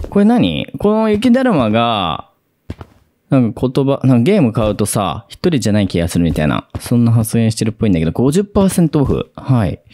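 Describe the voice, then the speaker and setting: A young man narrates his way through a horror game. He is excitable, breaking into loud, jumpy reactions, and his pitch swings wildly from deep murmurs to high yelps. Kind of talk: game commentary.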